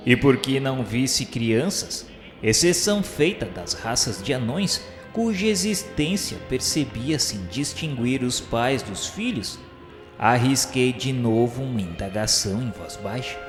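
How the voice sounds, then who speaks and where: A man's voice: mid-range voice, lively intonation, unhurried, close to an everyday voice. Guy acting as earnest spirit pupil in a radio play, formal literary telling, big echoey hall sound, music under. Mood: sombre, observant. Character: earnest male spirit pupil recounting a journey. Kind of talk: radio drama narration.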